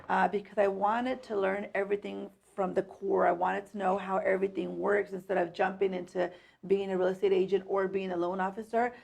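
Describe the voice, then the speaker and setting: A woman's voice: medium pitch, creaky, darkish tone, slightly rough. A woman from San Jose, California, a mortgage loan officer co-hosting a casual podcast, speaking in a friendly, earnest way. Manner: friendly, earnest, uses "um" often.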